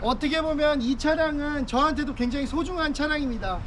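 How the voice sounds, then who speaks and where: A man talking at a fairly quick pace amid noticeable background noise and audible room echo. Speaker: car YouTuber. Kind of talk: vlog. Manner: animated.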